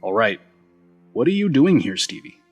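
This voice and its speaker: An actor playing a blunt, exasperated man who works at a school, in an audio drama, husky and dry. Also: medium pitch, big pitch swings, moderate pace, highs cut off, faint music behind. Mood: guarded, dry. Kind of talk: naturalistic audio drama acting.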